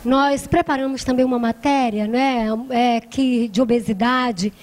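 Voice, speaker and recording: A woman's voice: fairly high pitch, fairly even intonation, a little slow, a little mellow. A Brazilian woman hosting a live TV talk show, chatty and making appeals to viewers. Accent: Brazilian Portuguese.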